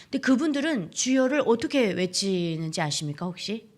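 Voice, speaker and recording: A young woman from North Korea giving an earnest church testimony, speaking straight to the congregation and sometimes dropping to a hushed whisper. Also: medium pitch, sing-song, moderate pace. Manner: earnest, addresses audience often, drops to a hushed whisper.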